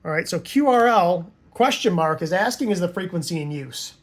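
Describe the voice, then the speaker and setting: High-pitched man giving an informal tutorial. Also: animated, moderate pace. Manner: conversational, checks understanding with tags like "right?" and "okay?". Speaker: amateur radio hobbyist teaching Morse code.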